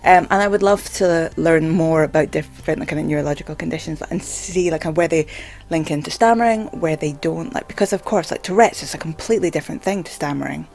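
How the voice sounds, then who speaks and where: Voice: medium pitch, fast, vocal fry, a little mellow. A vlogger with a stammer rambling casually and hesitantly, often saying "like". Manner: hesitant, stammering, filler-heavy with frequent "like". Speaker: video blogger. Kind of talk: casual rambling talk to camera.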